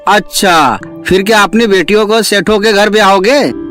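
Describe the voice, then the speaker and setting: A man acts out a resentful village father from a cartoon moral tale. His voice is high-pitched, pushy and indignant, over faint music. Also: normal speed, fairly bright tone. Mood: pushy, goading. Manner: goading, indignant. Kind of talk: Hindi cartoon moral story acting.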